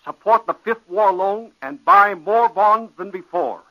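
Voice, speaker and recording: A man's voice: sits high, huge pitch swings, unhurried, creaky, bright, forceful tone, poor audio. A man speaking as a 1940s old-time radio announcer, delivering an exhorting appeal on a vintage broadcast.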